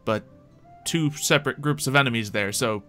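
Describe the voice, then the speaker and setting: A man's voice: mid-range voice, normal speed, pushed and bright, soft background music. A man hosting a roleplay game stream, chatting casually and narrating the adventure off the cuff. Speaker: game master and stream host. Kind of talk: casual livestream chat and improvised tabletop narration.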